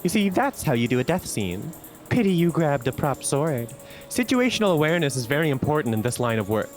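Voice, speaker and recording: Game villain: pompous, aggrieved theater director played by a man, declamatory overacted death-scene delivery, very animated pitch. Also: a little fast, faint music behind. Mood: hammy, indignant.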